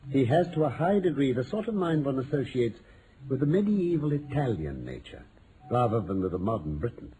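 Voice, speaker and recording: A man acting as a self-assured British detective in an old radio mystery. His mellow voice moves freely up and down as he lays out his reasoning with theatrical precision. The old broadcast recording carries some noise. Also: medium pitch, very animated, brisk, close to an everyday voice, rough recording. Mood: grave, dramatic. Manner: theatrical, articulate, lecturing.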